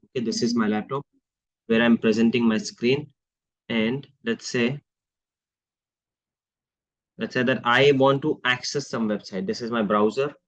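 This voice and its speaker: A man's voice: medium pitch, fairly bright tone, no room sound. A man with an Indian accent giving a live online technical lesson as an IT trainer, explaining step by step with repeated phrases, some Hindi mixed in and slightly unclear articulation. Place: online screen-share session. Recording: dull, lo-fi close microphone audio.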